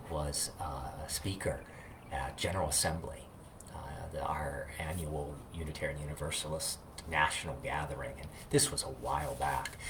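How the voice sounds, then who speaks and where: A man who is a minister, speaking informally and reflectively with pauses, sharing thoughts and poetry. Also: extremely low pitch. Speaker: Unitarian Universalist minister. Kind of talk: informal video talk with poetry reading. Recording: distant mic, loud background noise.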